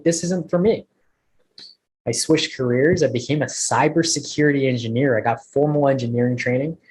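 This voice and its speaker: A man with a husky, slightly breathy voice at an ordinary middle pitch, speaking as a guest to an online group. He tells his own story with energy and repeats key lines for emphasis. His delivery feels personal and motivational. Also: a little mellow, rough recording. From Bangladesh.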